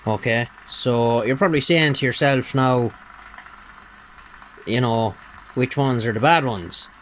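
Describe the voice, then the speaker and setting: A man speaks at an unhurried, slow pace in a middle-range voice, chatting loosely through a bench demonstration. He rambles, doubles back and fills gaps with ums and uhs. A faint hiss of noise sits under the recording. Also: medium pitch, a bit bright, low-quality recording. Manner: rambling and conversational, with many fillers. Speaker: radio repair hobbyist. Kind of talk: casual workshop demonstration.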